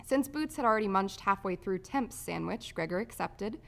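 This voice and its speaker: A woman's voice: mid-range voice, lively intonation, normal speed, vocal fry. Woman voice-over artist, scripted narration.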